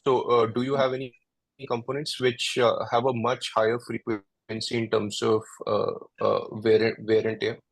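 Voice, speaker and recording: A man, an analyst asking halting, polite questions on a conference call. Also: medium pitch, flat delivery, gravelly, breathy edge, no echo, low-quality recording. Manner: halting, polite, searching for words.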